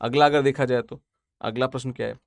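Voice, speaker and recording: A man's voice: medium pitch, steady tone, brisk, creaky, no echo. A man teaching an online exam-prep language class, talking casually and repeating each answer several times.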